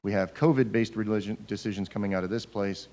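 A man's voice: fairly low pitch, fast, a little mellow. A middle-aged man asking questions as a board member at a public meeting, speaking into a table microphone in a large room. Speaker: school board vice chair. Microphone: table gooseneck or stand microphone.

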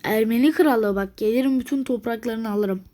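A woman's voice: a little high, normal speed, dark tone. A woman commenting on a strategy game she is playing, grumbling in exasperation and thinking aloud to herself. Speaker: gameplay video maker.

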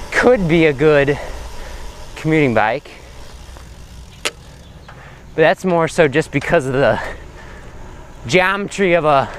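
Riding through suburban streets, a cycling vlogger with a fairly high-pitched voice chats casually and without a script, hesitating and wandering off topic as he pedals. His action camera, worn on his body, also records faint sounds of vehicles and the road.

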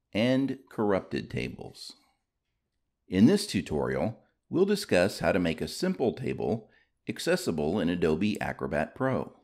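A man reading scripted instructional narration as a tutorial narrator, in a measured, explanatory way with careful enunciation. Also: low-pitched, darkish tone.

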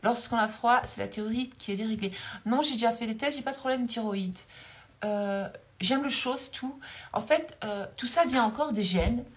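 The speaker is a Belgian spiritual coach in her forties, talking casually on a livestream at a moderate pace in a fairly high voice. She laughs frequently, chats freely, and reads viewers' comments aloud. She's recorded in a dim room on a phone held close.

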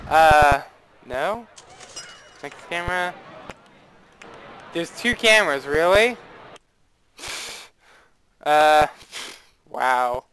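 A man's voice: a little high, a bit bright, smooth, rough recording. A young man casually commenting on his own gameplay, rambling and playfully dramatic, with a desktop mic and faint background noise. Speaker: let's play host.

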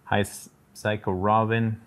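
A man's voice: on the low side, flat delivery, a little slow, fairly bright tone. A man casually narrating his drawing steps on a live stream, talking through each step and greeting viewers in chat.

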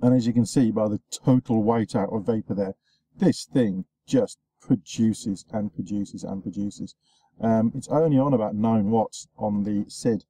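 A man's voice: on the low side, mellow, slightly rough, low-quality recording. A man in his forties with a sore throat, chatting in a rambling vlog from inside a parked car, close to the camera. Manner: rambling, chatty, lots of ums and uhs. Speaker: show host. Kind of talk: casual vlog chat. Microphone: camera facing him at close range.

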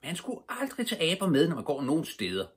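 An older man reading aloud, voicing a cheeky, fearless little girl in a lively, bold and playful way. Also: on the high side, breathy edge, voice pushed up, exaggerated voice. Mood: merry. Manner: lively, bold, full of fun.

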